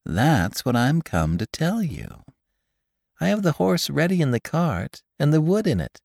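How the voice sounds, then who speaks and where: A man voicing a blunt, mercenary rough woodman with a gravelly voice. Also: on the high side, big pitch swings, a little slow, a little mellow, no echo, clean studio sound, pitched above the performer's own voice, heavily acted. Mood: brisk. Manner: blunt, scornful.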